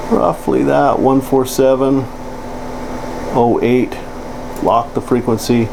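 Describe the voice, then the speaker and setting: A man giving an informal hands-on how-to demonstration, halting as he thinks aloud. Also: medium pitch. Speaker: electronics hobbyist presenting a how-to. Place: indoors, home office. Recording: hissy air-conditioner hum, amateur audio.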